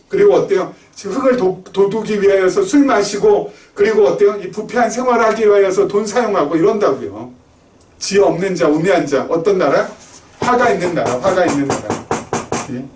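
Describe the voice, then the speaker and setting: A man's voice: high-pitched, a little mellow, a little hiss or hum. A middle-aged male pastor preaching a sermon, constantly asking the congregation rhetorical questions in a conversational way. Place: church sanctuary. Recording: roomy church echo, slightly distant.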